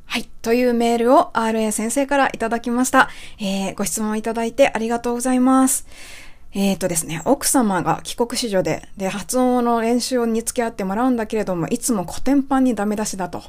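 A woman's voice: fairly high pitch, fast talker. Chatty woman teaching pronunciation. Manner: chatty, with many fillers and soft rephrasings. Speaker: English pronunciation coach and podcast host. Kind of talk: casual spoken lesson, reading a listener's email.

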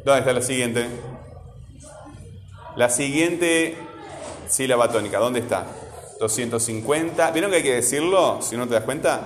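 A man teaching a class, patiently repeating words slowly and questioning his students. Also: mid-range voice, expressive, a little hiss or hum. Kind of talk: classroom lesson. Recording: echoey classroom. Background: classroom ambience.

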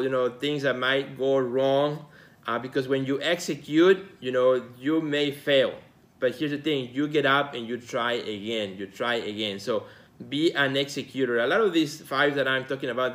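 A medium-pitched voice belongs to a forties-aged podcast host from Mexico, talking casually alone on his show. He drifts along in a relaxed way, restarting sentences and leaning on lots of fillers.

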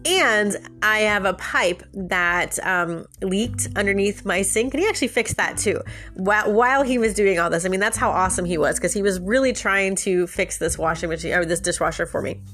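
Soft music plays behind a podcast host whose mid-range, fairly bright voice is nasal from a sinus infection. At a moderate pace she chats through a casual story, laughing often and addressing listeners head-on.

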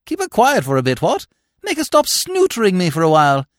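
A performer voicing a breezy, dim young gentleman with an upper-class English accent and excitable manner in an audiobook story. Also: mid-range voice, a little fast, no echo, clean studio sound, voice pushed up. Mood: gleeful excitement. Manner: excitable, breezy, blithely foolish exclamations.

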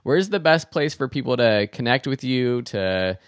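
A man's voice: mid-range voice, animated, unhurried, clean tone, dry recording. A man hosting a podcast, upbeat and affirming as he thanks his guest and closes the show. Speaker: podcast host. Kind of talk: casual interview chat and show outro.

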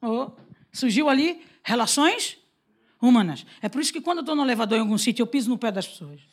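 Brazilian lady preacher, high and kind of breathy, acts out every story and laughs a lot. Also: fast. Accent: Brazilian Portuguese. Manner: animated, acts out quoted dialogue, laughs often. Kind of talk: lively sermon with storytelling.

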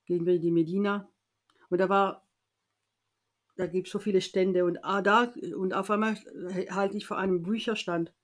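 A woman from France, interviewed, tells a personal story in a lively way, acting out the voices of the people she quotes and often restarting her sentences. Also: mid-range voice, normal speed.

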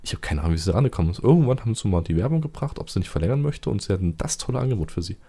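A man chatting casually in a low, dark, slightly husky voice. He talks fast, jokes a lot and fills his sentences with ums and restarts. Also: expressive. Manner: chatty, jokey, many fillers and restarts. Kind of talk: casual chat.

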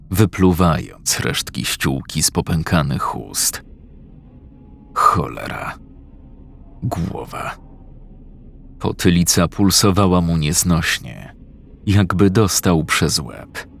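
A man narrating a horror story in a slow, measured, scripted reading. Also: sits low, gravelly, soft background music.

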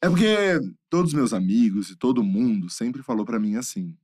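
Lively-voiced man in casual chat. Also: medium pitch, moderate pace, dry recording, clean studio sound.

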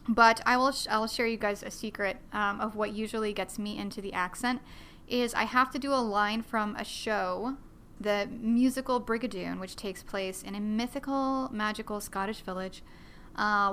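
A woman's voice: mid-range voice, moderate pace, a bit bright, a little hiss or hum. A woman hosting a solo podcast, chatting in a bubbly, self-deprecating way and rambling with many fillers. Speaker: podcast host.

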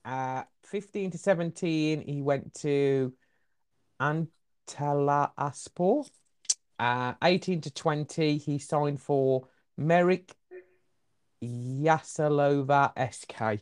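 A man with a Black Country accent running a casual football quiz, talking in a chatty, rambling way with quick asides. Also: a little high, darkish tone, clean tone. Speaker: quiz host.

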